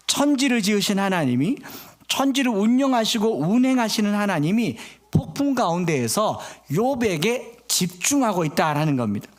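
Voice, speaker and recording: High-voiced Korean pastor preaching. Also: male voice. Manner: earnest preaching, voicing God's questions with rising force. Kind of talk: sermon.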